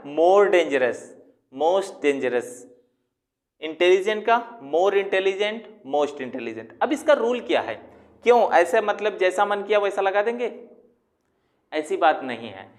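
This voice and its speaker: A man teaching a grammar lesson, explaining patiently step by step, asking the viewer questions and drawing words out slowly to show their parts. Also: high voice. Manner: asks rhetorical questions to the viewer. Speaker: English teacher. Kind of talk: classroom-style grammar lesson.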